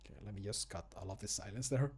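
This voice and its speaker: A man's voice: fairly low pitch, quick pace, a little mellow, husky. A man in his thirties chatting casually on a livestream from a small room at home, joking, commenting on what he does and swearing lightly. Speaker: streamer recording mod voice lines.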